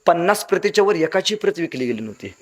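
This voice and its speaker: Man, motivational speaker, high-pitched, dramatic storytelling, loud appeals and hushed asides. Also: very animated, fast talker. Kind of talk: motivational speech to youth.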